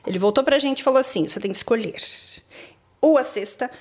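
A Brazilian woman in her thirties tells her story with lively, exclamatory energy. Her voice sits on the higher side and carries a Brazilian Portuguese accent. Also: fast talker. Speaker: exchange agent, podcast guest. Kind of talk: casual podcast interview.

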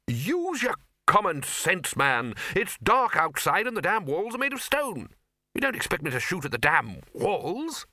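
A man's voice: high voice, very animated, a little slow, pushed and bright, no room sound, clean studio sound, voice pushed up, exaggerated voice. A man voicing a bossy, blustering old wizard in a comic fantasy storybook, with blunt, clipped, hectoring delivery. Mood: irritated, scolding. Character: gruff, blustering, bossy old male wizard Arch-Chancellor.

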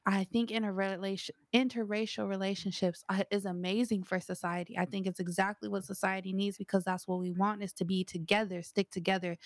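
A woman's voice: mid-range voice, vocal fry, no room sound. A young woman talking through her views in a casual podcast discussion, rambling and thinking aloud with plenty of fillers. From United States.

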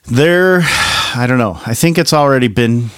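A man's voice: mid-range voice, expressive, unhurried, fairly bright tone, smooth, dry recording. A man co-hosting a podcast, a little sick, telling stories in a dry, matter-of-fact way. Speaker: podcast co-host.

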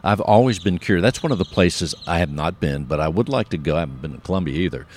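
A man's voice: deep voice, lively intonation, fast talker, darkish tone, a little hiss or hum. A man hosting an interview show, chatty and enthusiastic, rambling a bit as he introduces his guest. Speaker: show host. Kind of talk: casual interview talk.

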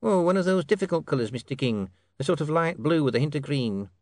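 A man doing a high-pitched, deferential clerk. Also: expressive, fast talker, darkish tone, no room sound, studio quality. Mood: helpful. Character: deferential, eager, careful male office clerk.

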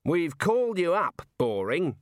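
An elderly wizard leader, acted by a male narrator barks in a blunt, colloquial, commanding way. The pitch is raised and animated, giving this storybook boss an irritable, bluff edge. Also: unhurried, no echo, studio quality. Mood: impatient, demanding.

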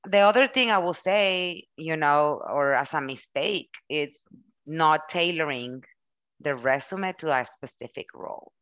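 A woman with a low voice and a Mexican Spanish accent, speaking English as her second language. She answers interview questions in an earnest, explanatory way and runs through examples one after another. The recording is dry and close. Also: expressive, a little slow, fairly bright tone, clear, resonant tone, dry recording, lo-fi sound. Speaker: guest HR professional and recruiter.

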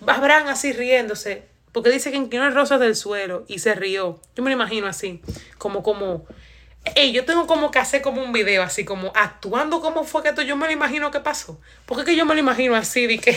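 A young woman with a Dominican accent, chatty and laughing, reading the Bible live over a phone stream. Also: mid-range voice. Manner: animated, laughing, chatty and expressive. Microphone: phone livestream.

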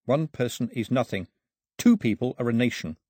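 A man voicing an earnest, protective young male islander in a storybook, solemn and measured. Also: mid-range voice, lively intonation, warm tone, dry recording, clean studio sound, natural voice. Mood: earnest, resolved.

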